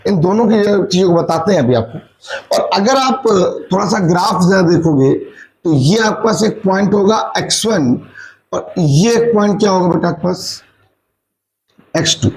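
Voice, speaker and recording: A man's voice: sits high, expressive, normal speed, a little mellow, rough recording. A man teaching a maths lesson, asking and answering his own questions and mixing English maths terms into his Hindi. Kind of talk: classroom lecture.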